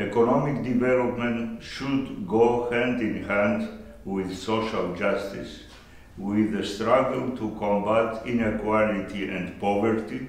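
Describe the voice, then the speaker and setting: The very slow speech has fairly even intonation and audible room echo. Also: man. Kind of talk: formal address. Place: church.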